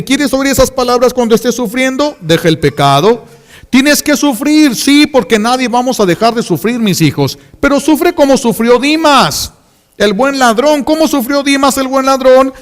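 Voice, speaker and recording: High-voiced priest preaching in a reverberant space. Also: male voice. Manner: pleading, repetitive, asks rhetorical questions. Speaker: Catholic priest. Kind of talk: sermon.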